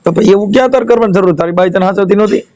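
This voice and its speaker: Male phone advisor, rural Saurashtra Gujarati accent, high-pitched, dry close sound, challenging and reproachful. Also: racing, a little mellow, dry recording, muffled recording. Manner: blunt, challenging, reproachful questioning. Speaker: advisor taking a recorded phone call. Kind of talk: confrontational phone conversation.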